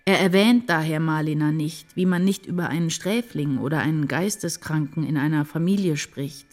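An actress playing an introspective woman writer, narrating her inner life in a measured, literary radio-drama style. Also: sits low, a little mellow, faint music behind, close to an everyday voice. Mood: intense, reflective. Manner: measured, deliberate.

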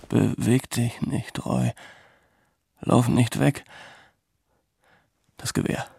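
An actor playing a feverish, weakened father in a radio drama, speaking in terse, subdued, breathy phrases. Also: mid-range voice, fairly even intonation, extremely slow, background noise, full character voice. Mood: tense, alarmed. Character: feverish, weak father in a snowbound wilderness cabin, gently reassuring. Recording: radio play with music behind.

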